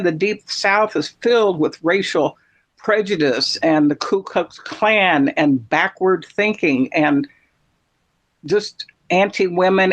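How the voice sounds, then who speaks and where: A man's voice: high-pitched, a bit bright. A man from Texas, chatting in an opinionated, rambling, emphatic way. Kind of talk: casual chat. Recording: muffled lo-fi sound.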